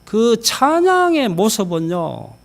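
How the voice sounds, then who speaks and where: Male pastor, sermon in a church; slightly high, very expressive voice that shifts from loud to whispered, conversational with the flock. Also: slow, creaky. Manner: emphatic preaching that swings from loud exclamations to near whispers; conversational, addressing the congregation directly. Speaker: senior pastor. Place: church sanctuary.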